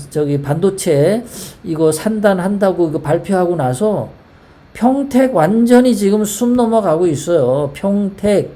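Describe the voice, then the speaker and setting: Korean lady ranting about politics, lowish mellow voice, fired up, rambling, keeps asking questions back. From South Korea. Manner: heated, rambling, full of rhetorical questions. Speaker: political commentary host. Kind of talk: casual political monologue.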